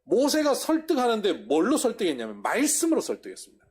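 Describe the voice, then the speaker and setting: A male pastor delivers a sermon lecture in a high voice that swings widely in pitch. He keeps putting questions to the congregation and answering them himself. When he quotes people, he acts them out with his voice raised. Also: wildly swooping pitch, quick pace, a little mellow, breathy edge. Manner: asks the congregation rhetorical questions.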